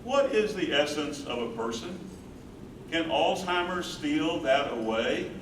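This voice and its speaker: A man's voice: a little high, animated, unhurried. A man in a staged reading, playing a tender, devoted elderly husband of a wife with Alzheimer's. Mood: questioning, anguished. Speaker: stage reader. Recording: echoey room, far from mic, background noise.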